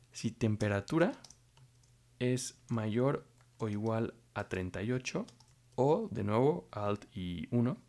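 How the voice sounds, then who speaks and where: Mellow-voiced programming tutor. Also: male voice, medium pitch. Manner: explains step by step while thinking aloud. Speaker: programming instructor. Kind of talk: screen-recorded coding tutorial.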